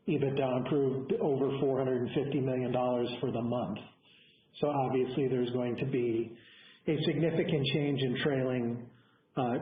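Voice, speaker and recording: A man, a company executive, giving a semi-scripted business briefing to investors in a halting way, often correcting himself mid-phrase. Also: mid-range voice. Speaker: company executive on an earnings call. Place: conference call over phone. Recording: echoey, band-limited conference phone line.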